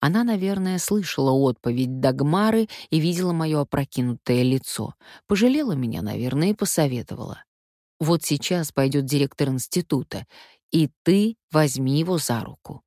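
Older actress with a low, dry voice. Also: female voice, moderate pace, no room sound. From Omsk, Siberia, Russia. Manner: wry, lively anecdotal narration. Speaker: stage actress. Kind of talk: memoir storytelling.

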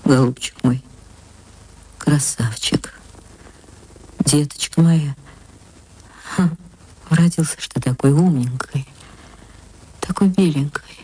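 A woman playing a kind, soft-hearted middle-aged woman who speaks tenderly and emotionally in a radio play. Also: low-pitched, slow, pauses often, slightly rough, voice pushed down, heavily acted, rough recording.

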